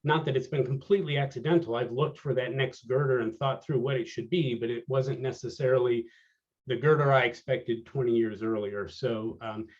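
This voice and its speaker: A man in his fifties speaking as a panel guest, wry and rambling, often trailing off quietly, on a video call. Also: medium pitch, fairly even intonation, normal speed. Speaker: panel speaker, business manager. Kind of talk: casual panel talk over a video call. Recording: dull lo-fi call audio.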